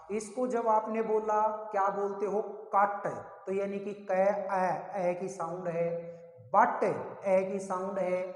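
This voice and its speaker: A man teaching an English sound lesson, speaking slowly and repeating words, asking his students questions and answering them himself. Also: sits high. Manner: slow and repetitive, asks the class questions and answers them himself. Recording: echoey room with long reverb.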